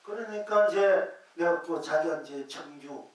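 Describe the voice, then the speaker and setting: A man gives a Buddhist dharma talk to a congregation. His voice sits a little high, and he explains slowly and repeats each point. He sounds distant from the mic, and his words ring through a very echoey hall. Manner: slow, repetitive explaining that addresses the congregation. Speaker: Zen master giving a dharma talk. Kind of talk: Buddhist sermon.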